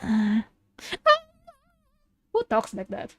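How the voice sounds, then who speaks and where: A woman's voice: mid-range voice, sing-song, very slow, darkish tone, breathy edge, no echo. A woman VTuber giving casual, exclamatory reaction commentary with informal swearing, recorded close in a dry room. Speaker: VTuber host.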